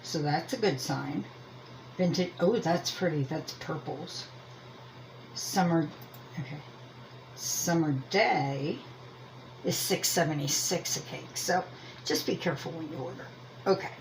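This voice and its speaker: With long pauses, this low, gravelly woman speaks a little slowly over poor audio with slight hiss or hum. She's a Pennsylvania Dutch-accented crochet and yarn channel host from Lancaster County, Pennsylvania, rambling through a casual product review while thinking aloud and teasing herself.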